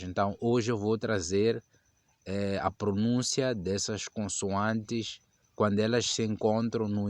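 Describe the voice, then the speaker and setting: A man teaching English pronunciation to Portuguese speakers, slowly repeating each example word several times. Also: fairly low pitch, dry recording. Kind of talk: pronunciation lesson.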